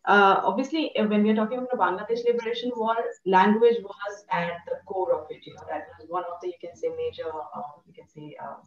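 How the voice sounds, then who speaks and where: A woman's voice: medium pitch, quick pace, hardly any pauses. Woman talking through a roomy video call. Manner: thoughtful, many fillers like "you know". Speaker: lecturer. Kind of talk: academic discussion on a video call. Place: room indoors. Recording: echoey, distant, muffled video call audio.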